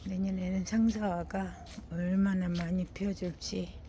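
A woman's voice: fairly low pitch, little pitch movement, measured pace, dark tone, slight background noise. A woman giving a casual commentary while showing her indoor winter garden, sighing over her plants and now and then talking to them and her dog. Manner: talks to plants and scolds her dog, frequent sighing exclamations. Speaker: gardening vlogger.

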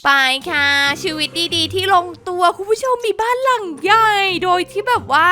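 A young woman giving excitable, laughing commentary while playing a life-sim game, often exclaiming to her viewers. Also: very high voice, moderate pace, slight background noise. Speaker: gaming YouTuber. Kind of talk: Let's Play commentary. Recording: music bed behind the voice. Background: game music.

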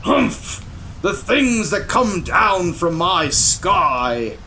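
A man's voice: sits high, sing-song, extremely slow, pushed and bright, slight background noise, full character voice. A man voicing an angry, imperious old king in a storybook, growling and bellowing as he stretches out his words. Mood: grumbling anger.

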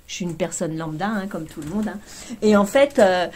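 A woman's voice: fairly low pitch, normal speed, darkish tone. A woman YouTuber chatting casually to her viewers, telling a storytime with lots of fillers and exclamations.

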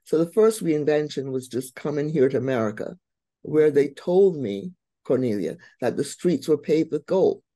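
A middle-aged woman from Barbados, a guest on a video call who tells her life story with warm, expressive emphasis. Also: low voice, normal speed, dry recording. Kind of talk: interview storytelling.

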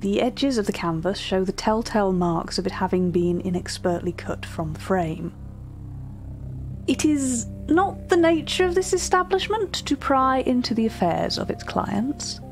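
Woman playing a meticulous, eerie curator, music behind. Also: medium pitch. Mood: formal, grave. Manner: formal, measured, hushed at times. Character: meticulous, eerie auction-house curator describing strange artworks. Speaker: voice actor in a fiction podcast. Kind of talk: scripted dramatic narration, dictated catalogue entries.

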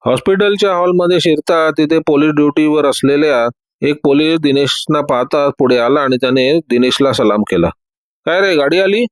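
A male storyteller reads a detective tale aloud, lifting his pitch to voice each character in turn. His voice sits a little high for a man, recorded close and dry with no room sound. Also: normal speed, no echo.

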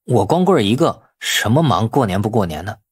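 A man's voice: lowish voice, big pitch swings, moderate pace, breathy edge. A man voicing an eager, obliging young nephew in audiobook dialogue of a city drama. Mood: earnest.

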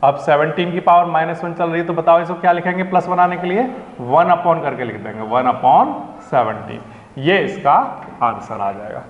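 A man's voice: fairly high pitch, moderate pace. Patient male maths teacher, echoey tinny recording. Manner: patient, repeats "ठीक है ना" to check understanding; calls students "प्यारे बच्चों" affectionately. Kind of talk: online maths lesson.

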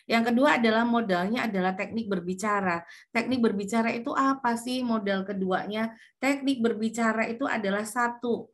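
A woman's voice: on the high side, fairly bright tone. Woman teaching public speaking online. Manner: demonstrative, shifts intonation to show examples. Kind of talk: online class lecture. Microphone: video call.

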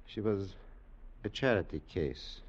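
An actor playing a clinical, evasive doctor in a 1940s radio drama. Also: male voice, sits low, expressive, measured pace. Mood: nervous, evasive. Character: composed doctor, clinically curious, weary and evasive afterward. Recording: muffled vintage 1940s radio recording.

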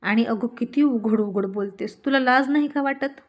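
A woman's voice: a little high, moderate pace, highs cut off, lightly acted. A woman voicing a stubborn, irritable young husband who talks in curt, scolding lines.

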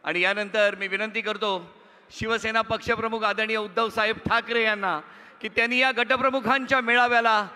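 A man's voice: high voice, fairly even intonation, brisk, sharp tone. A man with a Marathi accent makes formal stage announcements as an event announcer. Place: large covered rally hall. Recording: reverberant hall PA.

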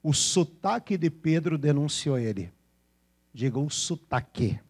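In a fairly high, animated voice with a breathy edge, a Brazilian pastor preaches unhurriedly to a church congregation. He has a São Paulo interior accent and playfully mimics regional speech.

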